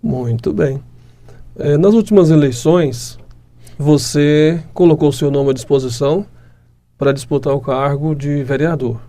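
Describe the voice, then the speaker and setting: A man's voice: on the high side, dark tone. A man with a Goiás Brazilian accent hosting a podcast, upbeat and complimentary, asking questions and speaking to the audience. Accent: Brazilian Portuguese, Goiás. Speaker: podcast host.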